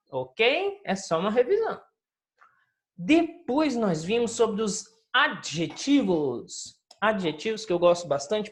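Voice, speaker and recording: A woman teacher, reviewing a recorded lesson and explaining with questions to her pupils. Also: medium pitch. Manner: explanatory, asks the listeners questions.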